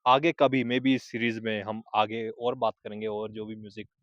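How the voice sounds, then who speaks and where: A man's voice: lowish voice, steady tone, normal speed, fairly bright tone, no echo. Polite male interviewer, dry sound. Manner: polite, frequent short acknowledgements. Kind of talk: casual interview. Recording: dry, slightly dull lo-fi audio.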